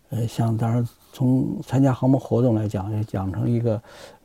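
A man's medium-pitched voice, fairly slow and fairly even in intonation, with noticeable background noise. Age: 70s. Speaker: aviation model teacher. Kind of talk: interview.

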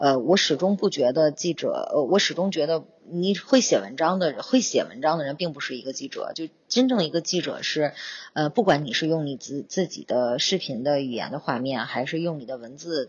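Speaking at a fairly quick pace, a woman uses lively intonation in a very deep, low pitch. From Beijing, China. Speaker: sports journalist. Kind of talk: podcast interview.

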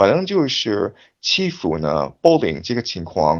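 His pitch swings very widely. This man delivers his words at a fairly slow pace. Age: 40s. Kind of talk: personal reflection monologue. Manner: halting with many filler sounds.

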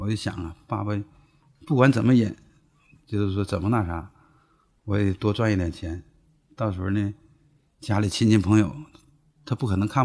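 A man with a Northeastern Chinese accent speaks somewhat breathily at a fairly quick pace and fairly low pitch, with ordinary pitch variation and long, frequent pauses. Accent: Northeastern Mandarin. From Northeast China, Jilin Tonghua. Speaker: security guard. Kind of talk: casual interview chat.

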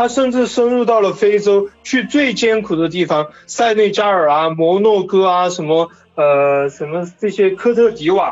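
At a fairly slow pace with hardly any pauses, a man speaks in a high pitch with ordinary pitch variation. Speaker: football fan. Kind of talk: casual interview chat.

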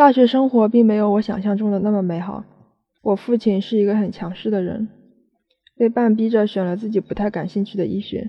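A woman with an unremarkable speaking voice talks at a fairly quick pace. Her pitch is fairly high, and her intonation stays fairly even. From Taizhou, Zhejiang, China. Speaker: university student telling her story. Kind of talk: personal testimony.

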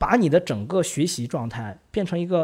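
Heard on a very clean recording with a silent background, a man speaks in a high pitch. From Shandong, raised in Northeast China. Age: 30s. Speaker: English teacher and blogger. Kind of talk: casual chat.

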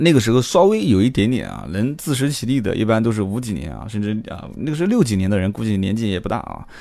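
A man's medium-pitched voice, dark and mellow in tone, with lively intonation at a very fast pace. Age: 30s. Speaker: car podcast host. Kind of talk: casual monologue. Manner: fast, talks without pausing.

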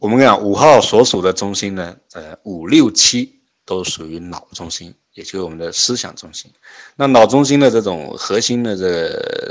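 A man speaks at a fairly slow pace with big swings in loudness. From northern Fujian, China (Jian'ou). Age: 40s. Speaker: personality-typing teacher. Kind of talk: informal talk to an audience. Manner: halting, many filler 'uh's.

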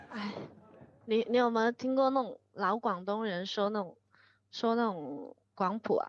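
Long, frequent pauses break up the speech. A woman speaks with a fairly high pitch. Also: ordinary pitch variation, fairly slow pace. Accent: Cantonese. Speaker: caller, sales worker. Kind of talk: casual chat. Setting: live-stream call-in.

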